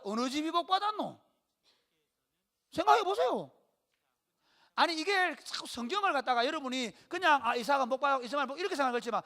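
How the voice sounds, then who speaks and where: High-voiced preacher. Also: male voice. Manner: lively storytelling preacher, rhetorical questions to the congregation. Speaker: pastor. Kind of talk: sermon.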